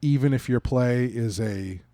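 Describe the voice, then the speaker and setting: A man's voice: mid-range voice, a little slow, dark tone, no room sound. Wry man chatting, close dry recording. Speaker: podcast host. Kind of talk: casual conversational chat.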